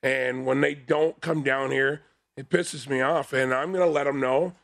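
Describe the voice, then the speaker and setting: A man's voice: mid-range voice, fairly even intonation, normal speed, vocal fry, fairly bright tone, dry recording, studio quality. A man with a big voice speaking bluntly and heatedly as a guest on a casual sports talk panel. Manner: blunt, fired up, outspoken.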